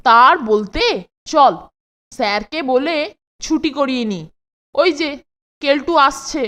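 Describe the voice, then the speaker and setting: A woman's voice: high voice, expressive, takes it slowly, pushed and bright, heavily acted. A woman voicing an eager, bossy, impatient young boy in a children's cartoon.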